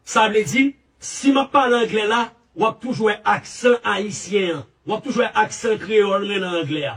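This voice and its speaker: A man giving a rambling, halting statement with many repeats and restarts, heard from a played clip. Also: sits high, a bit bright, distant mic. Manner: repetitive, halting, restarts often.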